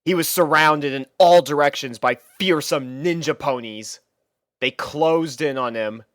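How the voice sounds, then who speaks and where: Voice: mid-range voice, measured pace, no room sound, clean studio sound. A narrator reading a story aloud from a script. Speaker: fan fiction reader and narrator.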